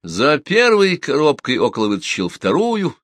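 A man's voice: fairly high pitch, wildly swooping pitch, moderate pace, fairly bright tone, dry recording. Man reading a story expressively. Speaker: narrator. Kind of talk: audiobook reading.

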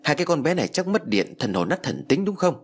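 A man's voice: on the high side, big pitch swings, fast talker, husky, voice pushed up. A man voicing a practical middle-aged uncle who explains and brushes off fears. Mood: dismissive. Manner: matter-of-fact, dismissive.

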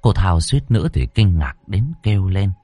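A man reading a ghost story aloud as a storyteller, with a dramatic, expressive delivery. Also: low-pitched, normal speed, no echo. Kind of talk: scripted horror narration. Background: faint music.

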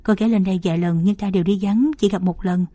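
A woman's voice: mid-range voice, fairly even intonation, quick pace, warm tone, dry recording, natural voice. A woman reading the part of a shy young female medical student who brushes off teasing. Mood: defensive.

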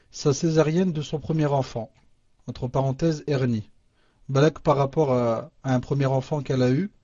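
Man haltingly reading questions aloud. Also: mid-range voice, warm tone, dry recording. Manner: halting reading with restarts, Arabic religious phrases. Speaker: moderator reading listener questions. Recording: muffled lo-fi audio.

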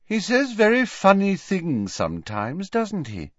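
A man's voice: sits high, huge pitch swings, unhurried, no echo, voice pushed up, exaggerated voice. A man voicing a dreamy, odd teenage girl in an airy, sing-song way. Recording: dull dry recording.

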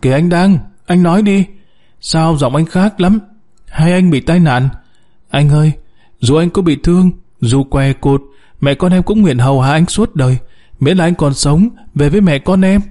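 Guy doing a worried pregnant wife in a story, high voice, panicky and begging. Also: normal speed, mellow, close to an everyday voice. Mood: anxious, pleading. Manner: panicked, insistent, pleading. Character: anxious heavily pregnant young wife, desperate for her husband.

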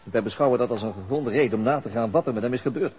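Man playing a brisk, terse detective, noisy backdrop. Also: mid-range voice, darkish tone, natural voice. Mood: probing. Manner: terse, probing, dry. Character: dogged, reserved Swedish police detective abroad. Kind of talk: Dutch radio play acting. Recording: radio play with clear background noise.

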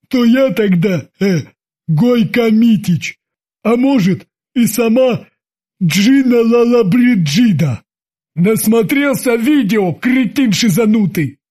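A man's voice: sits high, husky, heavily acted. Man doing a bellowing hot-headed sailor. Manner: yelling, drawn-out threats. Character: hot-headed male sailor, shouting and armed.

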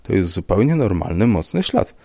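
A man voicing a gruff police commissioner who speaks in a dry, curt, dismissive way. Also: deep voice, big pitch swings, moderate pace, mellow, dry recording, full character voice. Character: gruff, unbothered middle-aged police commissioner.

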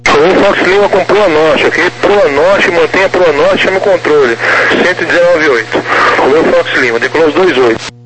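A man's voice: a little high, moderate pace. A Brazilian man talking in clipped phraseology over an aviation radio. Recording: very noisy crackly aviation radio.

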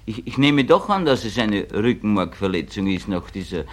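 Man doing a pompous stuttering doctor, lower and softer, formal, put on by a comic. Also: expressive, normal speed, lightly acted. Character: pompous bickering male doctor.

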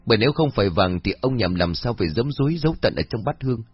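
A man's voice: fairly low pitch, animated, very fast, slightly rough, no echo, lo-fi sound, soft background music. A man voicing a frightened young village man who begs and swears oaths, in a storybook reading. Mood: pleading. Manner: wailing, begging, swearing oaths.

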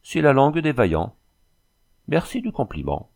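A man's voice: mid-range voice, huge pitch swings, normal speed, vocal fry, a little mellow, pitched above the performer's own voice. A man voicing a proud, solemn Native American man who speaks in a grave, formal way in an audiobook. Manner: grave, formal, reverent speech.

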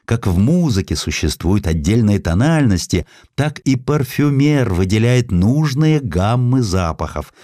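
A man's voice: lowish voice, big pitch swings, a little slow, few pauses, mellow, no room sound, studio quality. A man voicing a proud, stern master perfumer who speaks in a grand, declamatory way. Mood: passionate.

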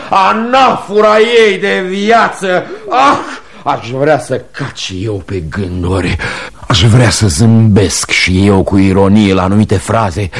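A man's voice: fairly high pitch, creaky. A man acting a timid, self-pitying middle-aged functionary in an old radio play, pleading and hesitant. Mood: yearning. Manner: plaintive and hesitant, pleading, veering between mumble and whine. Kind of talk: 1970s radio drama acting.

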